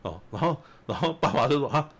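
A man with a Taiwanese Mandarin accent, hosting a podcast and telling a film's story in an animated, chatty way, often asking "you know?". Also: medium pitch, fast. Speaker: podcast host. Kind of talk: casual film recap chat.

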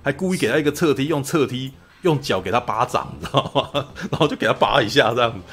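A man's voice: medium pitch, animated, quick pace, a bit bright. A man, hosting a podcast in casual chat, rambling and laughing often, tagging "you know" onto his sentences. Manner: rambling, constant "you know" tag questions, frequent laughter. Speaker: podcast host reviewing a film.

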